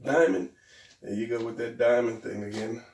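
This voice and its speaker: A man's voice: medium pitch, fairly even intonation, moderate pace, reverberant, distant mic, noisy background. A man teaching drawing in a casual, hesitant and rambling way, his voice a little stuffy and worn. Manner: hesitant, rambling, self-deprecating. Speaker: drawing instructor.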